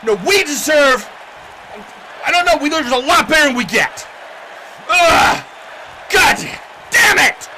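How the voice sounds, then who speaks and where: A man's voice: very high voice, sing-song, unhurried, pauses often, shouting, noisy background, voice pushed up, full character voice. A man playing an angry, frustrated wrestler ranting in a promo, stammering with exasperation. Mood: furious, exasperated. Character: furious, frustrated male wrestler ranting in the ring.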